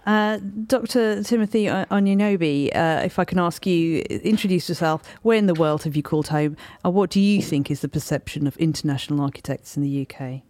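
A woman's voice: low voice, brisk, few pauses, a little mellow, dry recording. A woman hosting a podcast interview, friendly, with small restarts as she asks her questions. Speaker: podcast host.

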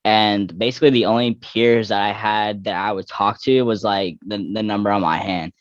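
A young trans man speaks in a low register, working through his thoughts haltingly with lots of fillers and self-corrections. The sound is dry and a bit muffled, as if recorded close on a modest mic. He sounds candid and personal. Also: fairly even intonation, no echo. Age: young adult. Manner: reflective, halting, many fillers and restarts. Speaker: interview guest.

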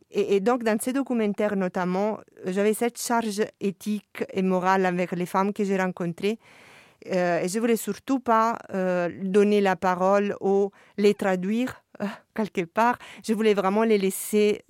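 Hesitant woman with a smooth, dry voice. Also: medium pitch, fairly even intonation, a little slow, darkish tone, no echo. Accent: non-native French accent. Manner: hesitant, searching for words, many fillers and restarts. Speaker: artist discussing her radio work. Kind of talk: reflective discussion at a listening session.

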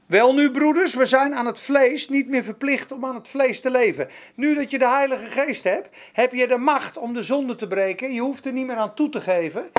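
A man preaching a sermon, animated, swinging between loud exhortation and soft prayer-like passages. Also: very high voice, moderate pace, hardly any pauses. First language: Dutch.

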